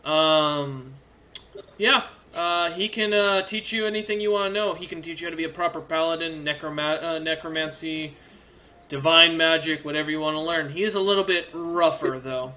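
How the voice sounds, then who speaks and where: A towering red orc ruler speaks with unhurried, dry menace, as a man voices him at the table. The tone is bright and a little tense, on the higher side for a man. He delivers threats as plain facts. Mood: businesslike. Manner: calm, dry, matter-of-fact threats. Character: massive red orc emperor, male, cool and menacing.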